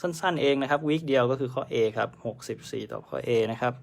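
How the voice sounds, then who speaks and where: A man's voice: mid-range voice, quick pace, creaky. A man teaching a live-streamed exam prep lesson, chatting through answers and mixing English terms into his explanations.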